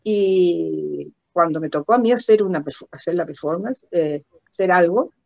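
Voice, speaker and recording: A woman's voice: fairly low pitch, gravelly, darkish tone, dry recording. Older Chilean woman, dull dry call audio. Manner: halting, repeats words for emphasis. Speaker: guest performance artist. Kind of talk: reflective personal storytelling in an interview. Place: indoor room at home. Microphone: computer mic on a video call.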